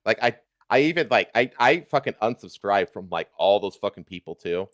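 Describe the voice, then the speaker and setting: A man's voice: on the low side, expressive, fairly quick, no echo, studio quality. A man hosting a livestream, ranting casually with emphatic, repetitive, profane talk. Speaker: livestream host.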